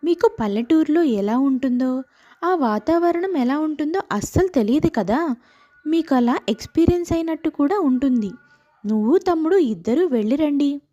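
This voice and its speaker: A loving but firm father as a woman reads him in an animated children's story. The voice is high and soft-edged. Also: moderate pace, dull audio. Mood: kindly.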